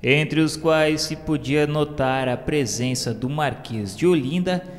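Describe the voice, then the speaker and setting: Slow Brazilian male narrator in long reverb. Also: fairly high pitch. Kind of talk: scripted radio narration of a religious history. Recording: long reverb, music behind the voice. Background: music.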